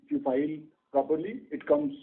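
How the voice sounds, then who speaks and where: An Indian man answering questions on an earnings call as a bank executive, speaking in a halting, repetitive way over a conference line. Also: a little high, very animated. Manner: halting, repetitive, says "you know" often. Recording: muffled band-limited conference phone line.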